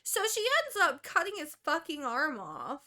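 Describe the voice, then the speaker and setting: Bright, high-voiced woman swearing freely. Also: normal speed. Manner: profane, animated book recap. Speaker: podcast co-host. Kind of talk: casual chat.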